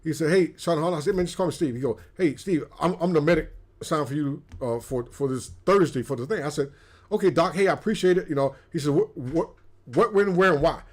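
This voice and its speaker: A man's voice: a little high, brisk. A man, co-hosting a casual livestream and telling stories with lots of repeated words. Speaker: co-host. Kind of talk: casual storytelling chat.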